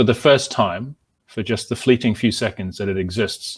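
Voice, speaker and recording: In a very clean recording with a silent background, a man speaks at medium pitch and a moderate pace. His voice is somewhat breathy, with ordinary pitch variation. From Southeast Asia (southern Thailand, Malaysia, Philippines). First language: Southern Thai. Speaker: keynote speaker, library digital director. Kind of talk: keynote lecture. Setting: virtual conference presentation.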